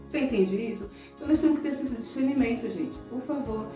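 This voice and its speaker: A middle-aged evangelical preacher from Brazil talks fast in a fairly high voice, giving an emotional sermon-style talk straight to her viewers and sometimes nearly crying. She is conversational, and the room is echoey, with a distant mic and soft guitar music.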